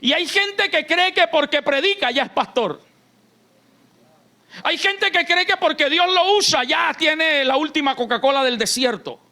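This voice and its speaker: A male pastor with a Colombian Caribbean Spanish accent, preaching an impassioned sermon in a church, swinging between hushed and shouted lines. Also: extremely high pitch, a little slow.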